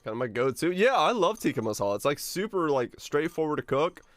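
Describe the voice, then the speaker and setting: A man's voice: fairly high pitch, very animated, a little fast, no echo. A man from Finland chatting casually and informally with viewers as a game livestreamer, musing aloud with some mild swearing. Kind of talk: casual chat with stream viewers.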